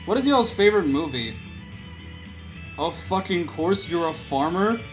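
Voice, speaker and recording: A man's voice: high voice, lively intonation, a little slow. A young man chatting casually, joking and drifting off on silly tangents. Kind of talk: casual streaming chat. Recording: guitar music clearly behind the voice.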